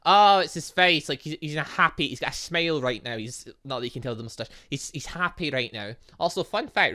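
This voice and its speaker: A man with a fairly high, very bright voice gives casual let's-play commentary. He rambles through joking asides and reads on-screen text aloud, sometimes tripping over it. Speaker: gaming channel host.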